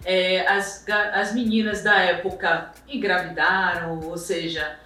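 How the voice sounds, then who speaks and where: A woman's voice: fairly low pitch, flat delivery, unhurried, pushed and bright. A woman with a Bahian Brazilian accent, informally telling her own story for a documentary. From Salvador, Bahia, Brazil. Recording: very echoey, distant mic, music behind.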